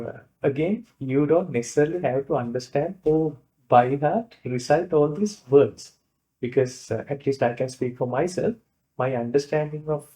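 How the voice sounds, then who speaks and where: A man with a Sri Lankan accent, a Buddhist monk giving an informal lecture in a hesitant, explanatory way, often pausing to rephrase. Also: medium pitch, warm tone, rough recording. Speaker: Buddhist monk teaching a class.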